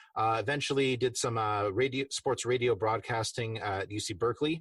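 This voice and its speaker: A man speaks in a somewhat breathy voice with fairly even intonation against a quiet background. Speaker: movie trailer voice actor. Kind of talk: interview answer. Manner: casual.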